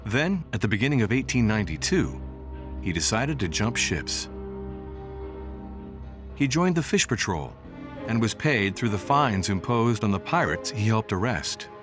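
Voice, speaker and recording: A man delivers scripted documentary narration in a fairly low voice. His intonation moves expressively as he tells the story in measured phrases, over a clear bed of music. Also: big pitch swings.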